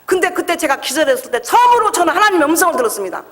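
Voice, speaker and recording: A woman's voice: very high-pitched, sing-song, racing. A middle-aged woman pastor giving an emotional testimony sermon in a church, acting out the voices in her story. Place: church sanctuary. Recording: echoey church hall.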